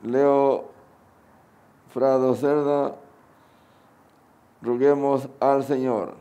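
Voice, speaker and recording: A man's voice: mid-range voice, steady tone, extremely slow, warm tone, clear, resonant tone. A middle-aged man with a Mexican Spanish accent, speaking as a Catholic priest at Mass. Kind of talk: sermon and prayers at Mass. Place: outdoors under a canopy at an altar.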